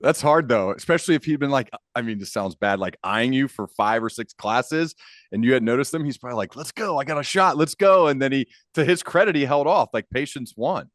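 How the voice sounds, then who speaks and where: A man's voice: medium pitch, lively intonation, brisk, fairly bright tone, dry recording, studio quality. A man hosting an interview podcast in an informal, emphatic storytelling manner, repeating phrases as he talks. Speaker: podcast host. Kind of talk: conversational interview.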